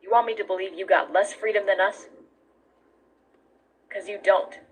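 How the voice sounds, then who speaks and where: A man's voice: high-pitched, normal speed, natural voice. A man playing a bitter, scornful monster in a fan comic dub, cutting and accusatory. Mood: bitter accusing. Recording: noisy background ambience.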